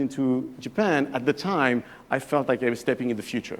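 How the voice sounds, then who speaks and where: The speaker is a man with a French accent. He talks at a moderate pace. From France. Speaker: business school professor. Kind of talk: lecture. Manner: halting.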